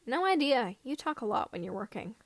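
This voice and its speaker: A woman's voice: on the high side, big pitch swings, a little fast, dry recording. A woman reading the part of a teasing, mock-exasperated nineteen-year-old male mechanic in a fan fiction story. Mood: wry.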